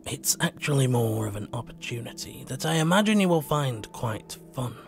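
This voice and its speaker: A man voicing a calm, wry male stranger who speaks softly and half-whispers with menace. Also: medium pitch, moderate pace, creaky, music in the background.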